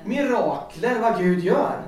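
Man, high voice, casual preacher, lively storyteller, far from the mic, booming hall echo. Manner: chatty, laughing, animated storytelling. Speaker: lay preacher. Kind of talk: informal sermon with personal testimony. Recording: echoey hall, distant mic, faint noise.

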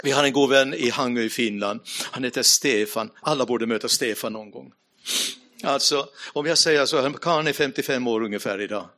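Bright-voiced preacher telling a story. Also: male voice, medium pitch. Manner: storytelling, addresses the audience directly; speaks in a hushed voice at dramatic moments. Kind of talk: sermon with personal testimony.

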